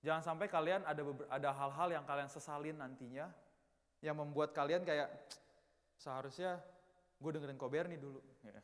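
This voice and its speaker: A young man in his twenties preaches to a youth service in an easy, conversational way. His voice sits a little high for a man and rings out with a long hall reverb. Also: fairly even intonation, fairly quick. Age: 20s. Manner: casual, chatty, banters with the audience. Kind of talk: youth sermon. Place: church hall.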